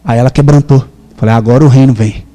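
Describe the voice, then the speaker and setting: A man's voice: mid-range voice, fairly even intonation, quick pace, mellow, long reverb tail. A man in his thirties with a Brazilian accent, a pastor preaching a sermon and telling a story with emphatic quoted dialogue. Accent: Brazilian Portuguese.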